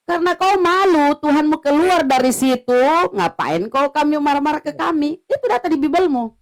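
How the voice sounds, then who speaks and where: A woman's voice: sits high, animated, moderate pace. A woman arguing in a heated religious debate, mocking and confrontational, hammering the same points. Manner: mocking, confrontational, repetitive jabs.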